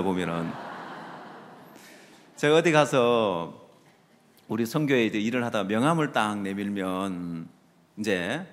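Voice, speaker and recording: A middle-aged male pastor, preaching a sermon with lively rhetorical questions to the congregation and low trailing asides. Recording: long reverb of a large hall.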